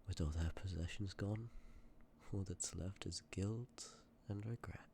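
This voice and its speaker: A man playing a sympathetic, courteous Death in an ASMR roleplay, speaking with measured, formal politeness and often dropping toward a breathy whisper. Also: low voice, mellow, a little hiss or hum. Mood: gentle, solemn. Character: sympathetic, courteous personification of Death, calm and ancient. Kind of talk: ASMR roleplay, scripted acting addressed to listener.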